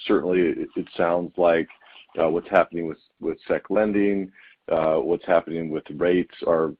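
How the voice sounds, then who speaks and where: A man's voice: low voice, fairly even intonation, moderate pace. A man asking questions as a financial analyst on an earnings call, polite and a little tentative. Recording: muffled, lo-fi phone line.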